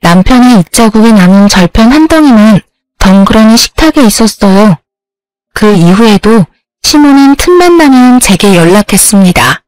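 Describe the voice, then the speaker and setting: A woman's voice: medium pitch, animated, normal speed, a little mellow, no room sound. Young woman storyteller, aggrieved scripted narration, dry mic. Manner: plaintive, aggrieved telling. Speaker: storyteller, daughter-in-law telling her story.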